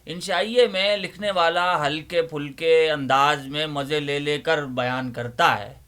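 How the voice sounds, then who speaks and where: A man acts out a fussy old neighborhood librarian with a fairly high, forceful, bright voice. He is bookish and theatrical, leaning on his phrases in the style of a dramatic stage reading. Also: steady tone, clean tone, close to an everyday voice. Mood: chatty, welcoming. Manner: emphatic, deliberate, repeats phrases rhetorically. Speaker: host, dramatic reader of Urdu literature.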